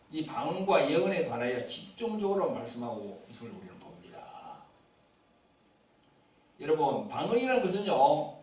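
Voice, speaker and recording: 울림 큰 교회에서 설교하는 경상도 남자 목사. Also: male voice, a little high, a little mellow. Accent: Gyeongsang Korean. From Gyeongsang region, Korea. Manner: conversational preaching with congregation responses and asides. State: seated due to an injured ankle. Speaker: pastor. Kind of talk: sermon. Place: church sanctuary. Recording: very echoey church hall, somewhat distant mic.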